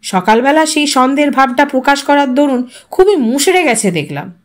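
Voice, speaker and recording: A woman's voice: high voice, lively intonation, normal speed. A woman voicing a blustering, self-satisfied working husband who talks colloquially in an audiobook story. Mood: excited, boastful. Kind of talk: audiobook character dialogue.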